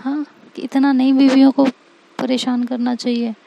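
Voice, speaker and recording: A woman's voice: sits high, little pitch movement, normal speed, gravelly, warm tone, rough recording. A woman doing a playful coaxing young wife. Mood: worried.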